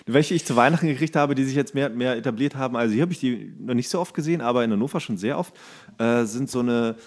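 A man's voice: mid-range voice, fast talker. A man speaking as a podcast co-host in casual chat, colloquial and jokey, telling small anecdotes. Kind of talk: casual chat about food with a friend.

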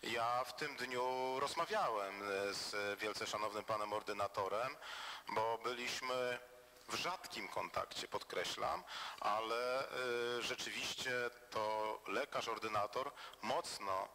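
A man's voice: medium pitch, takes it slowly, bright, forceful tone, slight background noise. A man testifying before an inquiry committee in a hearing room, speaking formally and defensively, with hesitant fillers and repeated polite forms of address.

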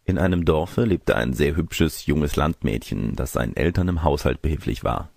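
A man's voice: very deep voice, animated, moderate pace, gravelly, darkish tone, no echo, studio quality. A man narrating a fairy tale from a script as an audiobook reader.

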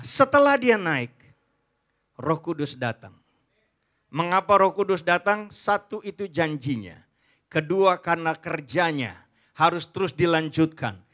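A man's voice: a little high, a bit bright. A man in his forties preaching a sermon on a large church stage into a handheld mic, emphatic and addressing the congregation directly. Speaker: pastor.

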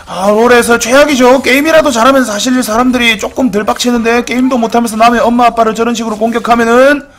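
A man giving casual, jokey commentary on a game replay, mock-dramatic, swinging between excited shouts and low mutters. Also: fast talker, hardly any pauses, a little hiss or hum.

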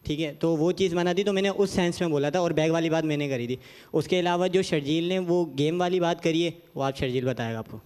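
A man's voice: a little high, a little fast, darkish tone, clean tone. A man contestant with a Pakistani Urdu accent, defensively explaining an argument. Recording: echoey studio hall.

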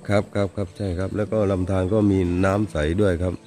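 Low-voiced man guiding at a cave. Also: flat delivery, fast talker, warm tone, faint music behind. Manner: hesitant, many fillers, agreeable. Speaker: local cave guide. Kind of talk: explaining to a visitor. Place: outdoors at a cave mouth by a stream.

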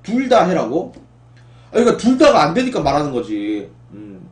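A young man chatting casually on his live stream, reading messages and answering his viewers with quick complaints that turn exasperated. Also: fairly high pitch, huge pitch swings, roomy sound. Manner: talks back to chat, rising into exasperated outbursts.

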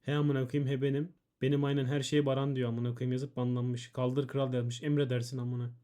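A man's voice: medium pitch, little pitch movement, brisk, dark tone. Blunt, foul-mouthed male streamer. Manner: blunt and swearing, reading chat messages aloud. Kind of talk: casual profane stream commentary.

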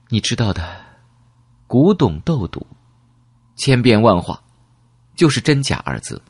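A man voicing a calm, secretive elderly woman who reminisces in a measured, wistful way in an audiobook. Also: mid-range voice, breathy edge, no echo, pitched above the performer's own voice, heavily acted. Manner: slow, measured, reminiscing with rhetorical questions.

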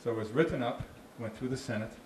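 Talking fast in a mid-range, darkish voice, this park ranger with a Boston accent holds a handheld mic in a small, dim meeting room with a slide screen. His informal talk, open to audience questions, is chatty, full of restarts and dry humor, and the recording carries echo and faint noise.

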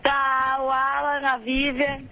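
A woman's voice: sits high, monotone, slow pace, a crowd in the background. A woman heard over the phone, laughing often and playfully protesting as she takes a prank call. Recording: noisy phone line.

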